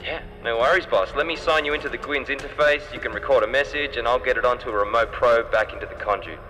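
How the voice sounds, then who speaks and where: An actor playing a breezy, joking spaceship engineer who talks colloquially in a sci-fi audio drama. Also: male voice, mid-range voice, fast talker, bright, forceful tone, in a large hall, close to an everyday voice, poor audio. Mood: breezy, upbeat.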